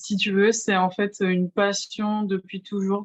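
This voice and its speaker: Against a quiet background, a woman speaks at medium pitch. Her intonation is monotone and flat, her pace fairly slow. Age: 30s. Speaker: relationship coach. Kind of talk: interview. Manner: hesitant, many fillers.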